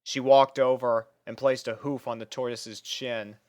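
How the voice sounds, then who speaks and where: A narrator reading a story aloud in an expressive, scripted storybook style. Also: mid-range voice, measured pace, no echo, clean studio sound. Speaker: fan fiction narrator.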